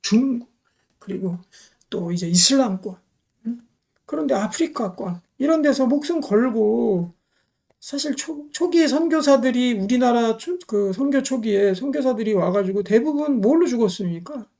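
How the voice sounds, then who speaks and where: A woman's voice: fairly high pitch, expressive, normal speed, warm tone. A middle-aged woman preaching a sermon, emphatic, repeating key phrases and putting rhetorical questions to the congregation.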